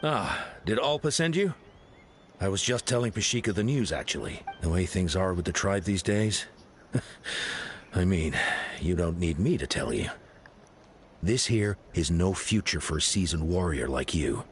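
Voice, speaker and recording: Middle-aged tribal boss, very low voice, lively, frank and steady. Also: male voice, moderate pace, slight background noise.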